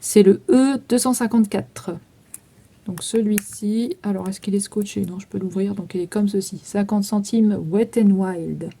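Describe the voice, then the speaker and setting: Going casually through her makeup items for sale, a French vlogger in her thirties lists prices and figures, often filling pauses with "um"-type sounds. She speaks at a moderate pace in a medium pitch that's mellow, with vocal fry and a breathy edge.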